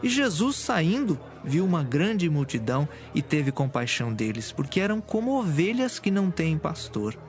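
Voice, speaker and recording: Male Bible narrator, slightly high pitch, solemn reading style, soft music bed behind. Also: sing-song, moderate pace, few pauses.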